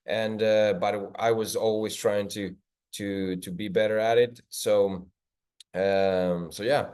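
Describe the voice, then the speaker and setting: A man from Ecuador, a guest in an interview, speaking haltingly with many restarts. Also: sits low, a little mellow. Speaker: interview guest, agency owner. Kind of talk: casual video call interview.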